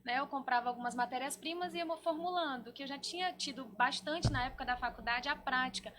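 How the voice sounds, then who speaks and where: Brazilian woman from maranhão, high sharp voice, telling stuff casually as an interview guest. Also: fast. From Maranhão, northeastern Brazil. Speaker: cosmetics entrepreneur guest.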